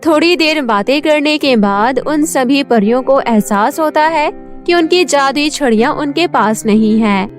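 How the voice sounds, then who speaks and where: A woman's voice: high voice, lively intonation, a little slow, soft background music. A woman reading scripted narration for a children's cartoon story.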